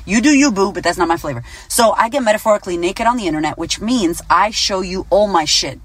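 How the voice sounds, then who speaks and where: Late-30s woman coach, blunt and swear-heavy, mid-pitched, dry close recording. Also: quick pace, breathy edge, no echo. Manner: blunt, swears freely, animated. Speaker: business coach and podcast host. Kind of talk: casual motivational monologue.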